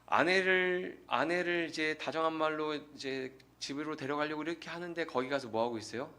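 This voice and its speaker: Bright-voiced man preaching a sermon. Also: medium pitch. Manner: earnest preaching with rhetorical questions to the congregation. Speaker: pastor. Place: church sanctuary.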